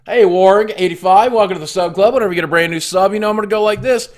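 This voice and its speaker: A man casually chatting on a live stream, reading chat and adding up costs aloud with many pauses and fillers while chewing cough drops. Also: sits high.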